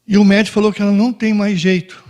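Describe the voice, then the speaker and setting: A man giving a spoken Christian testimony to a dinner audience, telling his story in an animated way and acting out the voices of the people in it. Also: fast. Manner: animated storytelling, acts out dialogue with shifts in pitch. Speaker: guest speaker giving a testimony.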